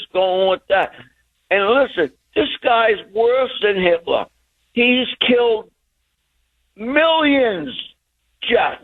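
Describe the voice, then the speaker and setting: A man in his sixties rants heatedly over a tinny phone line. His voice sits high for a man, and he speaks at an unhurried, drawn-out pace. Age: 60s. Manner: heated, ranting. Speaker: caller. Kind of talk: call-in radio rant.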